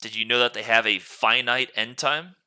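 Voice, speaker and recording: A man's voice: medium pitch, normal speed, pushed and bright, smooth. A man hosting a casual gaming podcast, explaining things at length in a rambling way. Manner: casual swearing. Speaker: podcast host.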